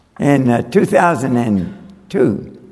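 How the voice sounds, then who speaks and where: Medium pitch from a man, with very wide pitch swings and audible room echo. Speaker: preacher. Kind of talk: sermon.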